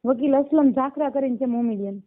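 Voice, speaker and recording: Calling to ask for help, a twenty-nine-year-old woman with a Saurashtra Gujarati accent pleads while laying out her situation. Her voice is high and a little fast. The phone audio is dull and lo-fi.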